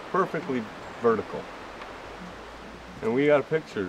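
A man's voice sounds dry with no echo, set against noticeable background noise. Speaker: hunting camp member. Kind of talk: casual talk to camera. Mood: relaxed, reminiscing. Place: garden.

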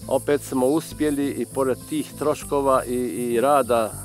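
A man talks at a fairly slow pace with fairly even intonation. Faint music plays in the background, and the sound is dry with no echo. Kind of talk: interview answer. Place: farm machine.

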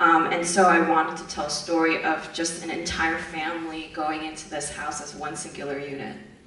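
Speaking at a fairly quick pace, a woman delivers a monotone, flat line in a very deep, low voice, with audible room echo and light background noise. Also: hardly any pauses. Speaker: interpreter. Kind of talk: consecutive interpretation. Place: stage.

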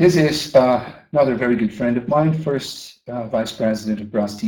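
This man has a Brazilian accent and a medium pitch with ordinary pitch variation. He speaks at a moderate pace over a quiet background. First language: Portuguese. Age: 30s. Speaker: English teacher trainer. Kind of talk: webinar presentation. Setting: online live webinar. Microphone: webcam.

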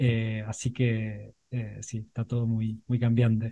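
Somewhat breathy, a man speaks with a Rioplatense accent. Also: quiet background. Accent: Argentine Spanish (rioplatense-style, voseo). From Argentina, southern Patagonia. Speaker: startup founder and CEO. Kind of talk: interview.

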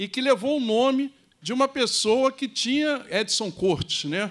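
Over a quiet background, a man talks. His pace is fairly slow. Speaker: lawyer. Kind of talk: public hearing speech. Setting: legislative hearing room. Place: meeting room. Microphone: podium.

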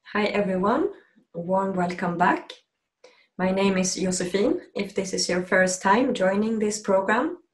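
A somewhat breathy woman's voice at a moderate pace against a quiet background. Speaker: movement teacher. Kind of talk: tutorial. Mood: calm, warm. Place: empty room. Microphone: camera far.

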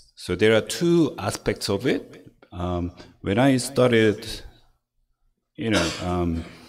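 A man with a non-native accent and fairly low pitch, lively intonation, a very slow pace and long, frequent pauses, on a very clean recording with a silent background. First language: not English. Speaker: conference presenter on AI. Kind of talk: conference presentation. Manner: hesitant, many fillers.

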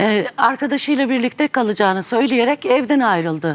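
A woman at a moderate pace, with lively intonation. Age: 50s. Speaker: mother searching for missing son; guest. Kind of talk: emotional testimony on TV talk show. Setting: studio. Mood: sad, pleading. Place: studio.

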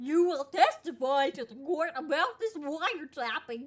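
Putting on a character voice, a woman speaks high at a moderate pace with lively intonation. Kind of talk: comic overacting. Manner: goofy, befuddled.

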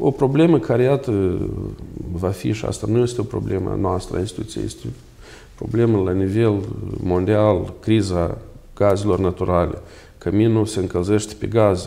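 A man's moderate-paced speech, fairly low and dark, mellow in tone, with vocal fry, ordinary pitch variation and long, frequent pauses. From northern Moldova, Ocnița district; Moldova. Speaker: college director. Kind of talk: interview. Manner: halting. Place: home room. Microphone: lapel.

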